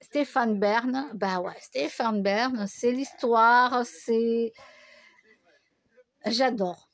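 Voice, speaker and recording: A woman's voice: on the high side, very slow, vocal fry. A woman chatting casually to her viewers, telling a rambling story full of fillers and restarts. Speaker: vlogger. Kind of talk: casual chat to camera.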